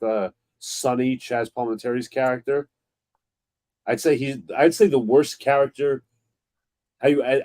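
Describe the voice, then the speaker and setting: Ny guy on a stream call, mid-pitched, laid back, lots of ums. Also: a little mellow. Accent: New York. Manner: easygoing, storytelling, filler-heavy. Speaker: live stream co-host. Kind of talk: casual fan chat. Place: home, on a video call.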